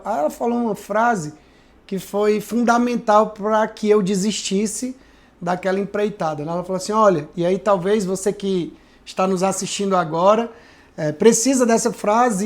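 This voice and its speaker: A man's voice: sits high, darkish tone. A pastor, earnestly telling his life testimony in a podcast conversation, often checking in with tag questions. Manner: earnest, reflective storytelling with frequent tag questions.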